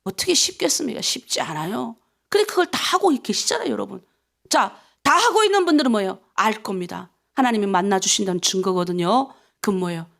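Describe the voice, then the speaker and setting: A middle-aged woman pastor preaching an early-morning prayer sermon, swinging between urgent pleading and low near-whispers. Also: lively intonation, a little fast, gravelly, a bit bright. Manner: acts out quoted prayers and vows.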